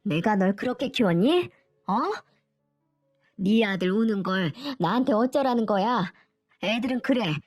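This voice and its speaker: A woman's voice: mid-range voice, animated, a little slow, dry recording, studio quality, soft background music. Woman voicing a scolding older mother. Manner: sharp, scolding and indignant. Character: scolding older mother, sharp-tongued grandmother.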